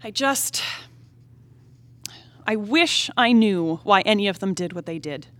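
A woman acting a wilful, discontented young married woman in a period stage drama, in a reflective, halting, emotive soliloquy. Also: medium pitch, lively intonation, fairly bright tone, no echo. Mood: troubled questioning. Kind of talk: theatrical play reading, period drama monologue. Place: theatre stage, live play reading.

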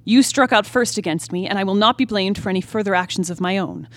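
A woman performing a brooding young married woman in a stage play reading, with formal literary diction and dramatic pauses. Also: mid-range voice, natural voice. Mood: reading bitter letter. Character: brooding young married woman haunted by her family's past. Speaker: actor. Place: theatre stage, live reading.

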